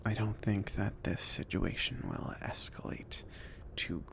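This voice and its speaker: A man acts out a laid-back, considerate mage in a cozy ASMR fantasy roleplay. The voice is mostly a whisper, with a crackly fry whenever it surfaces into low speech. The delivery is casual, a little hesitant and gently reassuring. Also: fairly even intonation, unhurried. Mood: gentle, reassuring. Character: chill, considerate mage sending an apprentice on errands.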